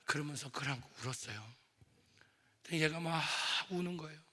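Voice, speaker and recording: A man's voice: fairly high pitch, brisk, pushed and bright, slightly rough. A pastor in his forties telling a personal story in a revival sermon. He speaks with emotion and builds to fervent appeals. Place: church sanctuary. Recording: church hall reverb.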